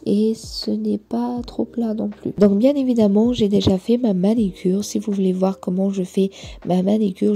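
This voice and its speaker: Woman nail artist, product review voice-over, slow, gravelly, dark tone, hesitant with fillers. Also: mid-range voice. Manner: hesitant, many fillers, soft asides half-whispered.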